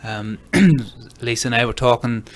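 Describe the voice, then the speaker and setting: A man's voice: mid-range voice, unhurried. A man with an Irish accent, talking easily as a radio guest and laughing often. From Ireland. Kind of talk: casual radio interview.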